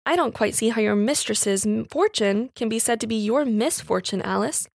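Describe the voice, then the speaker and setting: A woman's voice: fairly high pitch, lively intonation, normal speed, vocal fry, no room sound. Storybook master, read by a woman: amused, formal, reasoning, mildly condescending, recorded dry. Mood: amused, surprised. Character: genteel, amused Victorian master of the house.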